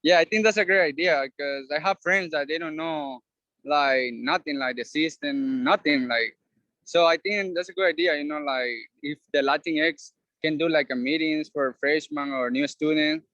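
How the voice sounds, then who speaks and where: A young man whose first language is Spanish, a student sharing his story on a video call, speaking haltingly with many fillers and restarts. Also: fairly high pitch, pushed and bright, no room sound, highs cut off. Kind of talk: casual sharing on a video meeting. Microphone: video call, camera off.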